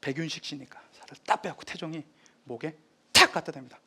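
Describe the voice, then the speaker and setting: A man lecturing on history, retelling drama scenes in a lively storytelling manner. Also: fairly high pitch, fast, gravelly, slightly rough.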